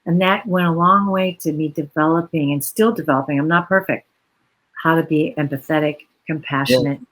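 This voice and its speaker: A woman's voice: low voice, fairly even intonation, brisk, fairly bright tone, low-quality recording. A woman from the United States speaking on a virtual panel over a video call, earnest and reflective, with long flowing explanations.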